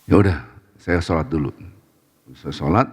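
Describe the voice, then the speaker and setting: A man giving a short mosque sermon, telling stories in a lively way, acting out the people in them, and sprinkling Arabic devotional phrases through his talk. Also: sits low, normal speed, breathy edge. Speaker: preacher. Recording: long reverb of a mosque hall.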